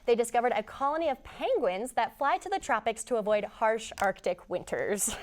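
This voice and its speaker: A woman's voice: fairly high pitch, animated, normal speed, darkish tone, slight background noise. A young woman anchoring a student newscast, reading lighthearted stories in an amused manner. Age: young adult. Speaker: news anchor.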